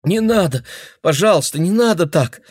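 A man's voice: fairly high pitch, animated, measured pace, no echo, studio quality, pitched above the performer's own voice. A man doing a frightened pleading young woman.

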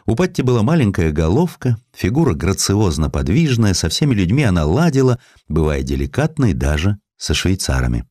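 A man reading historical sketches as scripted dramatic narration, with literary, expressive storytelling. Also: low voice, fairly quick, hardly any pauses, no echo, studio quality. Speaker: audiobook narrator.

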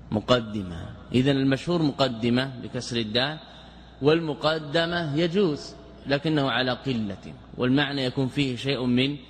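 A male scholar lectures in a measured, explanatory way, often repeating himself to drive a point home. His voice sits at an ordinary pitch and rings with a long hall reverb, with faint noise underneath. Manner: deliberate, explanatory, repeats key words. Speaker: Islamic scholar teaching grammar. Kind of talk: classical Arabic lecture.

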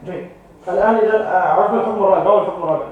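High-voiced man teaching in an echoey classroom. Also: very fast, narrow, tinny audio, slight background noise. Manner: questioning, repeats key terms for students. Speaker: teacher of Arabic grammar. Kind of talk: classroom lesson. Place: classroom with students. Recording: echoey classroom, mic far off.

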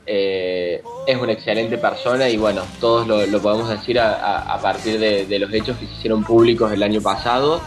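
A man's voice: fairly low pitch, fairly even intonation, fairly quick, few pauses, music in the background. A man with an Argentine Spanish accent, co-hosting a casual chat about a TV show, enthusiastic and repeating words as he thinks. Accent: Rioplatense Spanish. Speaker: co-host.

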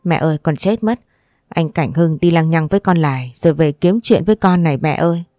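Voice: fairly quick, dark tone, no echo, clean studio sound, close to an everyday voice. A storyteller voicing a jealous, quarrelsome young wife who accuses and whines. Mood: whining. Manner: shrill accusing, whining.

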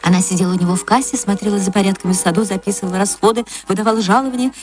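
A woman narrating a classic story in a gentle, measured literary reading. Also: mid-range voice, fairly even intonation.

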